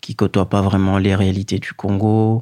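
A man speaks with a fairly low pitch and monotone, flat intonation at a fairly slow pace. The recording is very clean, with a silent background. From Guinea, Conakry. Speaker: guide, activist. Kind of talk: interview, casual. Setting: studio.

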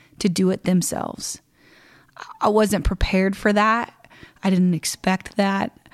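A woman with an American accent at a medium pitch, fairly even in intonation and fairly slow, on a very clean recording with a silent background. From Kansas. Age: 30s. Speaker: adventurer sharing personal growth story. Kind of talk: casual interview conversation.

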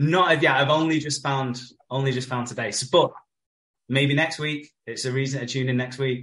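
A man's fairly high-pitched voice, a normal speaking voice, at a moderate pace with fairly even intonation. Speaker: podcast host. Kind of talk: casual chat.

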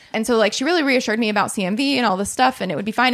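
This woman's fairly high voice races along at a very fast pace. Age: 20s. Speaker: egg donor and podcast listener. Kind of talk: casual interview.

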